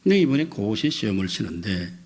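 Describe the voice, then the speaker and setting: A man in his fifties, a pastor preaching a sermon, telling a story with voiced quotes and building to loud, emphatic peaks. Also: on the low side, fairly quick. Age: 50s. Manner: storytelling with animated voiced quotes, rising to shouts.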